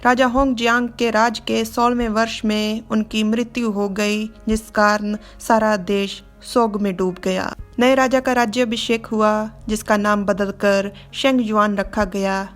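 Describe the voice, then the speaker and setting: A woman narrating a story explanation in an expressive, dramatic way. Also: mid-range voice, a little slow, hardly any pauses, faint music behind.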